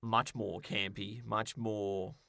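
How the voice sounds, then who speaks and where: A man's voice: fairly low pitch, fairly even intonation, takes it slowly, creaky, bright, forceful tone, no room sound, studio quality. A man co-hosting a podcast, discussing films and games casually in a playful, joking manner. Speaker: podcast co-host.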